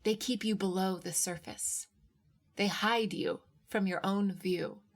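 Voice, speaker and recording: Slow-paced woman reading literary fiction. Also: medium pitch, fairly even intonation. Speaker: short story reader. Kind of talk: literary audiobook narration in first person.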